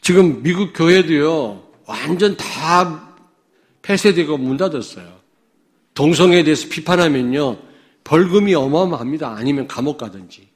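Speaking at a normal pace but with animation, this South Korean pastor from Chungcheong rises to loud declarations, then drops to quiet words for the congregation. Many of his lines are rhetorical questions.

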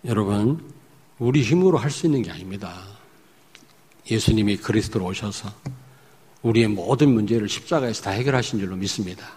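A male pastor preaching a sermon emphatically, swinging between loud points and hushed asides. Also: on the low side, animated, fairly quick, long pauses, husky. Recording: echoey hall.

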